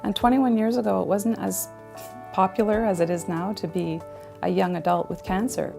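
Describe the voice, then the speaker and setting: A woman in her fifties giving quiet, reflective personal testimony in an interview, recorded from some distance. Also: medium pitch, steady tone, normal speed, creaky, music in the background. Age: 50s.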